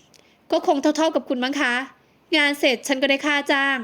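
A woman's voice: high voice, fairly even intonation, normal speed, sharp tone. A woman voicing a cool, sarcastic young woman. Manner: coolly sarcastic. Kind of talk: audiobook character dialogue.

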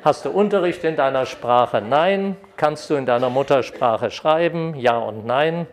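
An older man giving an academic lecture at a podium microphone, lively when reading examples aloud. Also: medium pitch, measured pace. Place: lecture hall. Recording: echoey hall.

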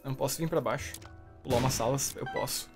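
A man with a Brazilian Portuguese accent commenting on his gameplay in a chatty way, reacting loudly and joking at enemies. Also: mid-range voice, fast, over music. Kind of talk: let's play commentary.

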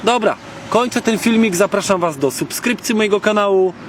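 A man from Poland gives a casual, unscripted gadget demonstration as a video blogger, halting and thinking aloud in colloquial, slangy speech. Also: high voice, animated. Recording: noisy, distant microphone, background clicks.

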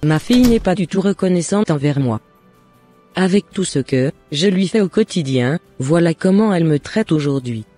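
A woman voicing a gentle, plaintive, devout shopkeeper mother in a Christian cartoon. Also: lowish voice, animated, moderate pace, faint music behind, lightly acted. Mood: hurt, sorrowful. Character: long-suffering, devout, hard-working shopkeeper mother. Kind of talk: French Christian cartoon dialogue.

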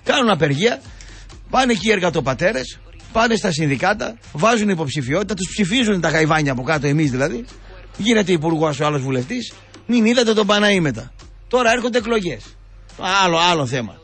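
A man's voice: high voice, very animated, a bit bright, husky. An older man, a radio host delivering an indignant, sarcastic rambling monologue full of fillers.

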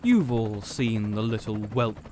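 A man playing a cold, condescending villain mastermind in an audio roleplay, delivering a slow, theatrical monologue. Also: on the low side, animated, a little mellow, slight background noise. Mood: smug, mocking.

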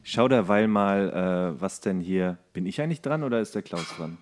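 A man's voice: low-pitched, moderate pace, slight background noise. A young man chatting casually as a podcast co-host and commenting on a show as he watches.

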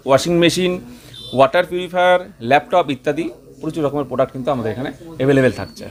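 A man with a West Bengal Bengali accent giving an emphatic, repetitive promotional sales pitch as a showroom promoter. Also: very fast. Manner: emphatic, repetitive listing of offers.

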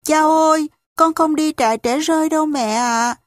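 A woman's voice: sits high, normal speed, no room sound, studio quality, pitched above the performer's own voice, close to an everyday voice. A woman voicing a frightened young orphan boy who pleads and begs in a tearful way. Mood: pleading.

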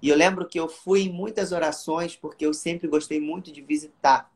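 A man's voice: fairly high pitch, fairly even intonation, normal speed. A young man from Rio de Janeiro with a Carioca accent, giving an earnest personal testimony in an interview and acting out the dialogue as he tells it. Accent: Carioca Brazilian Portuguese. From Rio de Janeiro, Brazil. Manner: earnest storytelling, reenacting dialogue.

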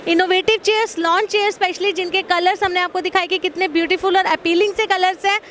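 High-voiced upbeat woman TV reporter. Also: fairly even intonation, fast talker, fairly bright tone, a little hiss or hum. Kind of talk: expo stand interview and piece to camera. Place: busy indoor expo hall. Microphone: handheld mic.

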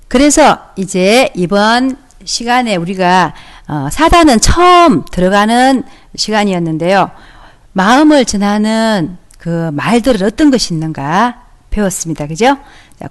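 A woman teaching an audio-only class to young children, talking them through with encouraging questions and acting out their lines. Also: medium pitch. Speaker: elementary school teacher. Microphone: close microphone, audio only.

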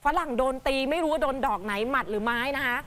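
A woman news presenter lively describing video footage, acting out what people in the clips said. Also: sits high, fast. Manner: animated, acts out quotes while narrating footage.

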